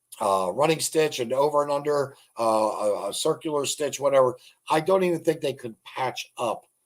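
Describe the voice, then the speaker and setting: Fairly high-pitched, a man with an American accent talks at a moderate pace using lively intonation. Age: 60s. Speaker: political commentator. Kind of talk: opinion monologue. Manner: animated; halting.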